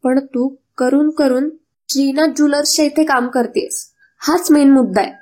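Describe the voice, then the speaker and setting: A woman voicing an elderly male patriarch who reasons in a measured way. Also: high-pitched, fairly even intonation, warm tone, close to an everyday voice. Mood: reasoning.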